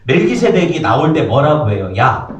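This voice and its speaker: A man preaching in a church, his voice sitting a little high and swooping up and down as he works the room. He keeps checking in with the congregation and acts out the lines of the people in his story. The sound is very echoey and comes from a bit away from the mic. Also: very animated, moderate pace, a little mellow, distant mic. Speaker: pastor. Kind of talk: sermon. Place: church sanctuary.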